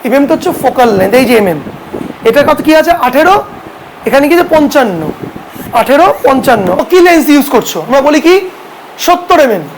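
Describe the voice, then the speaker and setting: A woman with a Bengali accent and a high voice teaches a photography class. She keeps asking the students questions and then answers them herself. A faint hiss of noise sits under her voice. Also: expressive, a little fast, rough recording. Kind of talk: classroom lesson.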